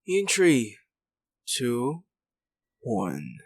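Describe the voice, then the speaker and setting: A man's voice: medium pitch, wildly swooping pitch, drawn-out words, gravelly, full character voice. A man playing a cold, arrogant villain doctor in an audio roleplay, with a clinical, condescending delivery. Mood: clinical, controlled. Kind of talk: ASMR audio roleplay acting.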